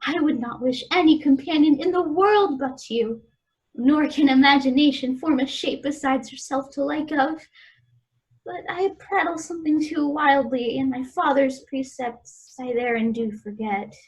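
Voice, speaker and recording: A woman's voice: high voice, measured pace, rough recording. A woman playing an innocent, lovestruck young maiden, speaking earnest formal verse in a Shakespearean radio play. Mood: shy, tender.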